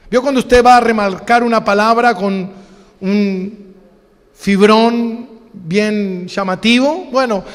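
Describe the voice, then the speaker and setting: Argentine male pastor, emphatic sermon delivery, unhurried, echoing church hall. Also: very high voice. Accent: Argentine Spanish. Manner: slow, emphatic preaching with rhetorical questions and repetition.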